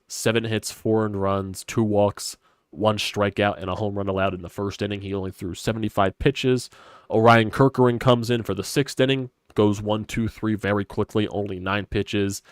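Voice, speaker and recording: A man's voice: fairly low pitch, fairly even intonation, moderate pace, smooth, no echo, studio quality. A young man in his twenties, congested and stuffy, hosting a casual solo sports talk stream and rambling with opinionated, casual swearing. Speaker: sports podcast host. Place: hot stuffy room at home.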